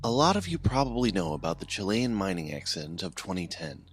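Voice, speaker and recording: A man hosting a horror fiction podcast, giving announcements and then reading the story in a slow, hushed, dramatic way. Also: sits low, big pitch swings, slightly rough. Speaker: podcast host and narrator. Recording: music playing behind the voice.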